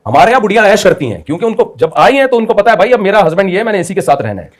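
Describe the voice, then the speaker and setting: A man, a religious scholar answering interview questions in a fast, assertive, explaining way. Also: high voice, very animated.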